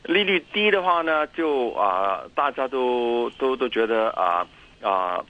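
A man with a Cantonese accent in his Mandarin, a native Cantonese speaker, giving explanatory interview answers in a halting way with many pauses and repeated words. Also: medium pitch, animated, phone-quality sound. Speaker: interview guest, academic.

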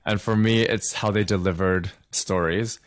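A man's voice: fairly low pitch, steady tone, moderate pace. A young man from Hong Kong, a singer-songwriter, chatting upbeat and friendly as a guest in an interview, laughing now and then. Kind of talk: casual interview over a call.

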